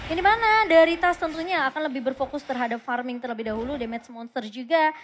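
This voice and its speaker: A woman's voice: sits high, fast. A woman with an Indonesian accent giving chatty, explanatory esports commentary on plays, mixing in English game terms. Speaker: esports caster, analyst. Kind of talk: esports caster commentary, analysing plays beside a co-caster. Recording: clear noise behind the commentary.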